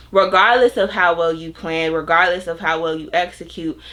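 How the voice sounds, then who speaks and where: Speaking fairly slowly, a woman has a fairly low pitch and a bright, sharp tone. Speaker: podcast host. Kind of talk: solo podcast monologue. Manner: conversational, many fillers.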